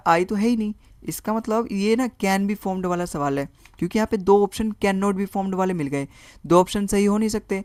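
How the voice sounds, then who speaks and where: A man's voice: high-pitched, no echo, clean studio sound. A man teaching a reasoning lesson for exam prep. He works through each answer option aloud, repeating words and checking in with his students. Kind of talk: online exam-prep lesson, Hindi mixed with English.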